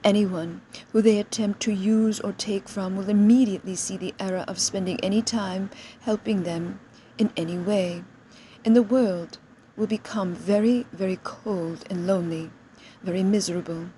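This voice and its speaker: Woman, seance medium in trance: solemn, stilted channeled monologue, dark mellow tone, some background noise. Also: mid-range voice, fairly even intonation, moderate pace. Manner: seance medium speaking as a collective spirit guide, solemn and stilted. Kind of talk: channeled spiritual message, monologue.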